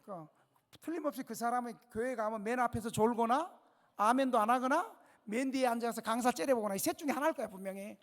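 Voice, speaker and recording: A male pastor preaching a revival sermon, telling stories dramatically, dropping to a hush and then rising loud, and putting questions straight to the congregation. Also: very high-pitched, fast talker. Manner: dramatic storytelling, swinging between hushed and loud. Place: church sanctuary. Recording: long church reverb.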